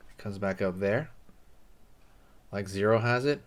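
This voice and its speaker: A man's voice: on the low side, measured pace. A man hosting a casual drawing tutorial, talking loosely with lots of fillers and friendly asides while he draws.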